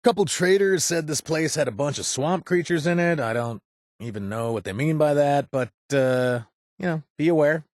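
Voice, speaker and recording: An actor playing a wry, chatty wasteland informant in a video game, husky, with a hesitant, rambling delivery and joking asides. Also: male voice, on the high side, animated, moderate pace, a little mellow, no echo, clean studio sound, natural voice. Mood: wry, offhand. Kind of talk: video game voice acting, casual spoken tips.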